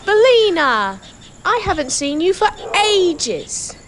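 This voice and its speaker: A woman's voice: very high-pitched, sing-song, slow, a little hiss or hum, exaggerated voice. A woman playing a sincere, troubled and hesitant young princess in an amateur audio drama. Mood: pleased.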